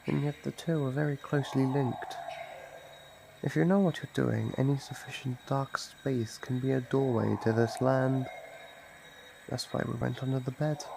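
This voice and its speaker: Man voicing a gravelly, slow, sadistic monster. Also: mid-range voice, noisy background. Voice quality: gravelly, husky, breathy. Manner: slow, menacing, savoring, mock-gentle taunting. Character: sadistic, playful male monster from under the bed. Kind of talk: ASMR roleplay, scripted monologue. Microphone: close microphone.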